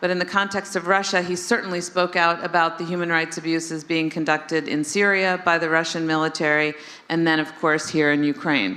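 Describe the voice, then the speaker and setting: A woman with an American accent and a fairly low pitch talks at a fairly quick pace with fairly even intonation over noticeable background noise. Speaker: panelist at security forum. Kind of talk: panel discussion.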